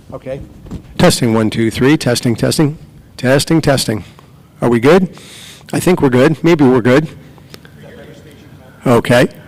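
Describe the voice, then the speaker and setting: A man with an American accent leaves long, frequent pauses. Noticeable background noise runs behind him. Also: medium pitch for a man, ordinary pitch variation. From Eastern Massachusetts. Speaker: amateur radio convention speaker. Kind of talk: casual chat before a talk. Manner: fast.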